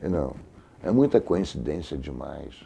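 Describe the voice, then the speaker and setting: A dark, mellow tone carries the speech along at a moderate pace. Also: man. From Brazil, Rio de Janeiro. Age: 60s. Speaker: musician, bass player. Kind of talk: oral history interview. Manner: animated, conversational.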